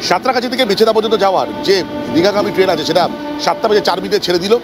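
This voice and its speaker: A man's voice: lively intonation, racing, loud music behind the voice. A man giving a casual travel vlog, chatting and explaining things to viewers and companions. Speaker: travel vlogger. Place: aboard a local train. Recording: noisy train ambience. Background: train and vehicle rumble.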